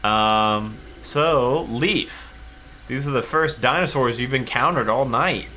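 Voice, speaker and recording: A man running a tabletop game as game master, narrating casually and haltingly as he thinks aloud. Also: medium pitch, pushed and bright, a little hiss or hum.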